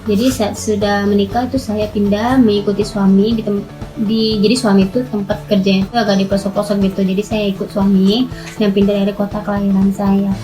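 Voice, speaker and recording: A woman's voice: medium pitch, level tone, a little fast, warm tone, faint music behind, rough recording. A woman in her twenties, a homemaker, speaking casually in an interview testimonial. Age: 20s.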